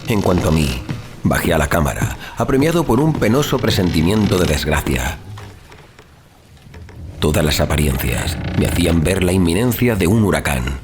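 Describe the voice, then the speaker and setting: A man giving a dramatic, measured and expressive narration of a horror story at sea. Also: low voice, noisy background. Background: music.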